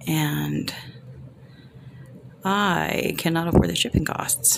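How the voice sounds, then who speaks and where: Soft-spoken, very slow delivery amid noticeable background noise. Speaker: craft video maker. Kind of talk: casual chat while crafting.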